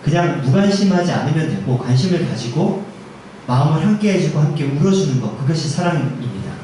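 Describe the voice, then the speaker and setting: A fairly high-voiced man preaches a sermon to his congregation, talking plainly and asking them questions as he goes. The mic sits well away from him, and his voice rings through a very echoey church hall over faint background noise. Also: sing-song, a little fast, mellow, far from the mic. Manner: conversational, asks the congregation questions. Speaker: junior pastor. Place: church sanctuary.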